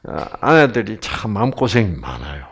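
A man's voice: lowish voice, sing-song, normal speed, gravelly, slightly rough. A man with a Gyeongsang accent giving a health lecture with religious themes, humorous and chatty, often putting questions to his audience. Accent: Gyeongsang Korean. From Gyeongsang region, Korea.

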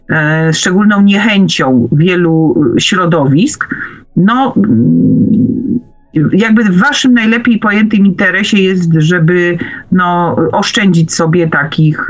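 Slow, halting woman interviewer. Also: lowish voice, lo-fi sound. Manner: halting, searching for words. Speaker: radio interviewer. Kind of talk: live radio interview.

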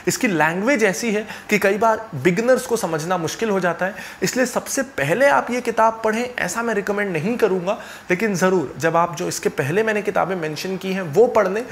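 Young guy w a higher voice, earnest explainer to camera, lapel mic, faint hum in the room. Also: brisk, few pauses. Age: young adult. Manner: earnest, steady, gestures with hands while explaining. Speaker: finance channel host. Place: small home office indoors. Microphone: clip-on lapel mic.

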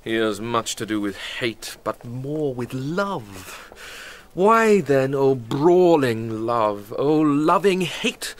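Brooding young nobleman, British, radio verse drama: bright, highish voice, melancholy and declamatory. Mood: anguished. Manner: declamatory, sighing, ornate verse delivery. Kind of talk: Shakespearean radio drama acting.

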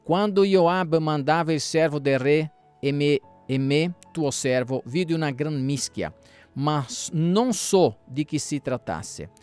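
A man's voice: on the high side, lively intonation, slow, a little mellow, smooth, soft background music. A man reading the lines of an eager young messenger who pleads insistently. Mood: earnest.

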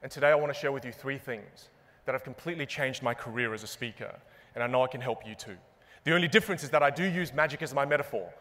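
A young man giving a comedic keynote on a large conference stage, animated and self-mocking, landing punchline after punchline. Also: mid-range voice, fast, few pauses. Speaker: keynote speaker and magician. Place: large conference stage before a live audience. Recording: long reverb of a big hall.

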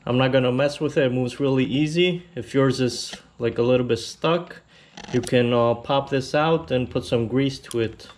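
A man hosting a casual how-to video, explaining a repair step by step in a relaxed, plainspoken way. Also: medium pitch, normal speed, a little hiss or hum. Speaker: motorcycle channel host.

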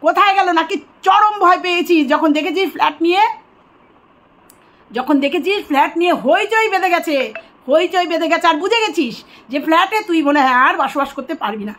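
A woman's voice: very high-pitched, fairly quick, fairly bright tone. A woman delivering an angry, accusing monologue straight to the camera, repeating phrases for emphasis.

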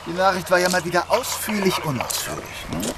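A sardonic male detective inspector in a crime radio play. His fairly high voice swings expressively through dry, grumbling remarks. Clear outdoor noise sits behind him. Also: wildly swooping pitch, brisk. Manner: sarcastic, dry. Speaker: actor in a crime audio drama.

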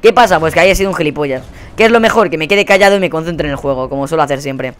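Foul-mouthed Spanish gamer yelling at his match. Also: fairly high pitch, rapid-fire, clear, resonant tone. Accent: Spain Spanish. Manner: profane, exasperated ranting with sudden yelled outbursts. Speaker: gaming channel host. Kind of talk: live gameplay commentary.

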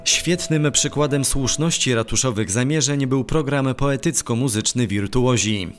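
A man reading scripted news narration in a measured, formal way. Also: medium pitch. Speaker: news reporter. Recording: voice-over with faint music.

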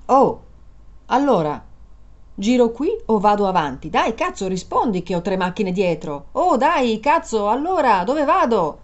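A woman's voice: medium pitch, big pitch swings, a little slow, darkish tone, muffled recording. A woman reader voicing an irritable, foul-mouthed young man at the wheel, speaking curtly. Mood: irritated. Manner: curt, swearing, exasperated. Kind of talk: dramatized story reading.

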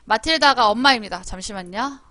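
A woman's voice: a little high, a little fast, bright, forceful tone, slight background noise. A woman streaming a life-simulation game, chatting playfully, scolding her characters and reading the story text aloud. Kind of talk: live-streamed game commentary.

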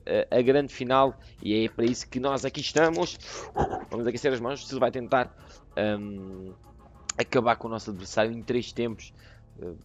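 A man with a European Portuguese accent commentating his own video game fight, excitable, shouting at big hits and throwing in English swear words. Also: medium pitch. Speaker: gaming YouTuber. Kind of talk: let's-play commentary. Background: game music and fight sounds.

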